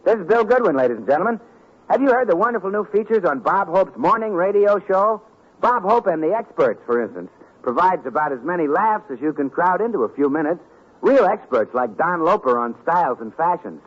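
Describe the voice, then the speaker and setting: A male radio announcer reading scripted promotions in a smooth, promotional manner, on an old radio transcription. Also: high-pitched, big pitch swings, a little fast, muffled recording.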